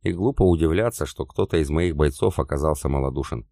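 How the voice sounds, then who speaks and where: A man reading the lines of a wounded Soviet commissar who answers calmly and firmly with dry irony. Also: very deep voice, fast talker, gravelly, no room sound.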